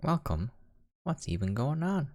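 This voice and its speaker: A man's voice: medium pitch, very animated, a little slow, darkish tone. A man giving casual, musing gameplay commentary and reading visual novel text aloud. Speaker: game preview commentator.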